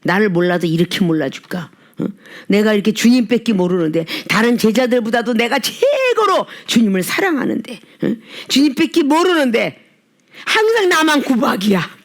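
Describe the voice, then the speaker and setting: A woman's voice: fairly high pitch, very animated, normal speed. A sulky, wounded man of faith grumbling that nobody sees how much he loves his master, as a woman preacher acts him out in passing. The voice rises and falls widely as he pleads. It is a plain voice with a petulant, complaining edge. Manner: sulky, self-pitying. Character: aggrieved male disciple complaining of being scolded.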